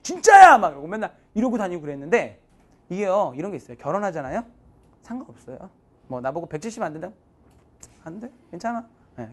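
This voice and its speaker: Lively male math teacher. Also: on the high side, slight background noise. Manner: animated, joking, mixes casual and polite speech. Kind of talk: lecture to a live class. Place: classroom with students.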